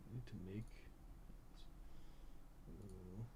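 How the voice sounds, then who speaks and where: A man's voice: sits low, steady tone, very slow, background noise. A man hosting a casual game livestream, talking half to himself in an offhand, self-deprecating, muttering way. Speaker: livestream host playing a video game.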